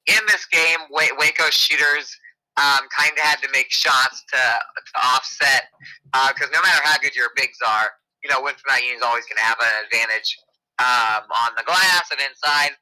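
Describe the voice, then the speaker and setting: A man with a gravelly, strained, hoarse voice, giving a conversational basketball recap as a guest sports reporter. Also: medium pitch, moderate pace, pushed and bright, low-quality recording. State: hoarse, voice nearly gone.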